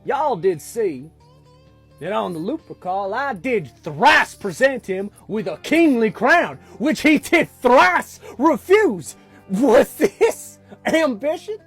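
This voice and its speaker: A man with a Southern US accent and a husky voice, reciting a Shakespeare monologue in a casual, halting way with restarts. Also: very high-pitched, sing-song, a bit bright, faint music behind.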